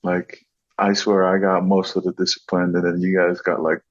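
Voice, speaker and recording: Laid-back male guest in his thirties with a very deep voice, dull recording. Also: moderate pace. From born in American Samoa, raised in Southern California. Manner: relaxed, easygoing, laughs often. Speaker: guest, content creator. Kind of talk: casual interview chat.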